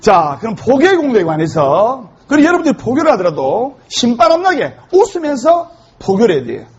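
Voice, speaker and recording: Male Buddhist monk preaching with jokes: very high, husky voice on a dull lo-fi recording. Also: a little fast. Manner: joke-telling, animated storytelling. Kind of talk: humorous sermon.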